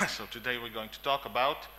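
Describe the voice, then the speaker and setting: Speaking in a meeting room, a conference speaker in his forties with an Israeli accent is emphatic, repeats lists, and coughs and uses fillers often. He has a mid-range voice with a sharp tone at a moderate pace, and the audio is poor.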